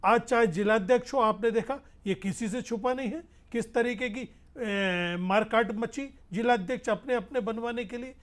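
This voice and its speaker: Man, high-pitched, political panelist, forceful debate. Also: normal speed, few pauses.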